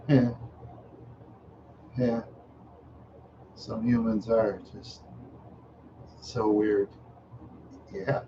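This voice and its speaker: An older man chatting in a slow, rambling way on a livestream, repeating "yeah" and chuckling often, tired and unwell. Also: on the low side, dark tone. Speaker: livestream host. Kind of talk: rambling casual livestream chat. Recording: dull lo-fi stream audio with faint noise.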